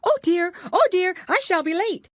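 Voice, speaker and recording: Storybook white rabbit, woman performing: high-pitched, flustered, forever hurried and exclaiming. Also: expressive, fairly bright tone, no room sound, clean studio sound. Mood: anxious, flustered. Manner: anxious, exclaiming.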